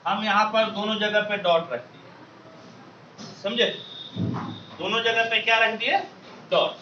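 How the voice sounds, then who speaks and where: A man's voice: high voice, takes it slowly, sharp tone, slight background noise. A man teaching maths to a class, drilling students with call-and-response questions. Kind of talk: classroom lecture. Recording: echoey classroom, distant lo-fi mic.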